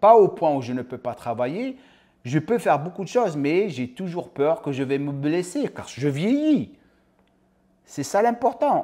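A man's high-pitched, animated voice at a fairly slow pace, with very wide pitch swings, on a very clean recording with a silent background. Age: 50s. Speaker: fitness coach and YouTuber. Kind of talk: video commentary.

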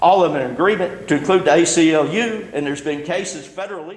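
A loud man speaks at a moderate pace with an Alabama accent and ordinary pitch variation. Room echo is audible. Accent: Southern US (Alabama). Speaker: citizen activist. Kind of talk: public comment at board meeting. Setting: public meeting room. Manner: loud, projecting.

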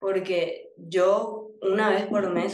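Against audible room echo, a woman speaks at a medium pitch with flat, monotone intonation. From Paraguay. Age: 20s. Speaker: roller skater; interviewee. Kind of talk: interview. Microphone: video call.

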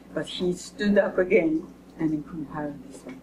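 Noticeable background noise sits under a woman whose voice is fairly low in pitch. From Japan. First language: Japanese. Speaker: university librarian. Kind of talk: lecture. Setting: stage with audience. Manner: halting. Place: classroom. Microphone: camera far.

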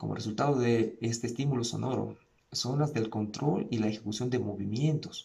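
A man talks at a fairly slow pace with a medium pitch, ordinary pitch variation and vocal fry. The background is quiet. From Ecuador, Quito area (Valle de los Chillos). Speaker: orchestra conductor and lecturer. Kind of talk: lecture. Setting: recorded online conference video. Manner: formal. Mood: earnest, expressive. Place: home room. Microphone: webcam.

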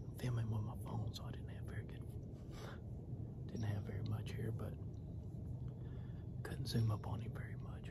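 Loud background noise sits behind a man talking at a fairly quick pace, his voice dry with no echo. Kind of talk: casual vlog chat. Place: forest. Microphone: phone near.

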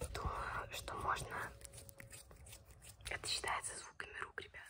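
Whispering at a fairly slow pace, a woman gets her words out. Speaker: ASMR creator. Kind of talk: ASMR talk to camera. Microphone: phone near.

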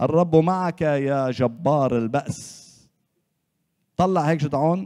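Against a quiet background, a man with a fairly high pitch and a dark, mellow tone speaks with ordinary pitch variation and long, frequent pauses. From Lebanon, Beirut (Achrafieh); Lebanon. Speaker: pastor. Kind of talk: sermon. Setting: church. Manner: animated. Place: church. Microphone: handheld.

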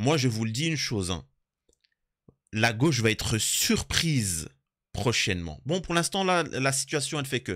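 Pitch swinging very widely, the man talks fairly slowly while the background stays quiet. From Algerian heritage, France. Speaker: political news commentator, online video host; news commentary streamer. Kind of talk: political commentary monologue. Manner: hesitant, many filler words. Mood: assertive, emphatic.

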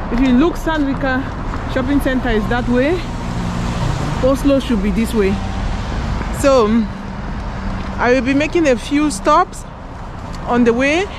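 A woman's high-pitched voice at a moderate pace with long, frequent pauses, very even loudness and ordinary pitch variation, in a dry sound with no echo and noticeable background noise. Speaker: vlogger. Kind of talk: casual vlog chat. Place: street. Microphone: phone near.

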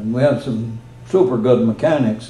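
There's audible room echo around this man speaking with an American accent. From United States. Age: 80s+. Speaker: retired space program engineer; war veteran. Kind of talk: storytelling talk to an audience. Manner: plain-spoken, folksy. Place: hall. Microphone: podium.

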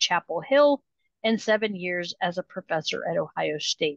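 A woman talks at a fairly slow pace. The sound is dry with no echo against a quiet background. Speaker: professional association meeting organizer. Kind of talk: meeting introduction. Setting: video call. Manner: halting. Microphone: video call.

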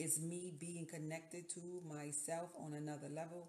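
A woman speaks quietly at a fairly slow pace, her very deep, low pitch carrying a dark, mellow tone and a monotone, flat intonation amid audible room echo. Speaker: wellness and spirituality vlogger; spirituality vlogger. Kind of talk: personal testimony vlog. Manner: low, quiet. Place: kitchen. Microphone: phone near.

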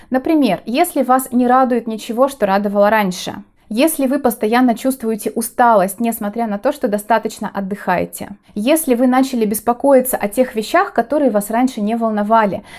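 A woman speaks with ordinary pitch variation at a moderate pace while the background remains quiet. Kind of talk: promotional announcement to camera. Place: home room. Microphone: lapel.

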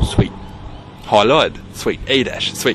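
An upbeat man speaks with an Australian accent. The sound is dry with no echo, and there is light background noise. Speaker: language learner teaching Australian slang. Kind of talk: casual talk to camera. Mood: cheerful, joking. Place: open country. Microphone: camera far.

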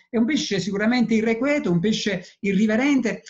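A man is speaking. The background is quiet. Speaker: interviewee. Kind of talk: interview answer. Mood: calm, reflective explanation. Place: home room. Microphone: video call.

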